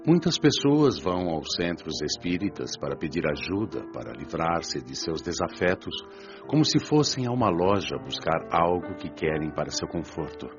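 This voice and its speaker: A man playing a patient, earnest father who teaches like a preacher in a radio drama, didactic and solemn. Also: low voice. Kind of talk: audiobook radio drama, sermon-like lecture. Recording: dull lo-fi audio with music behind. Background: music.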